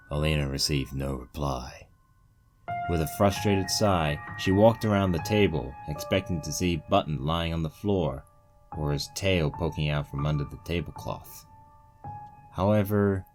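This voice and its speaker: A man reading a scripted story as its narrator. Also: deep voice. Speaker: narrator of a fan fiction reading.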